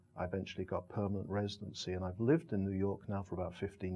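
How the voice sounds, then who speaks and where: The speaker has a dark, mellow tone and talks at a very fast pace. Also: man. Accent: English. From England, outskirts of London. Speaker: editor of a local news site, journalist. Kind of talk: talk to students. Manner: conversational.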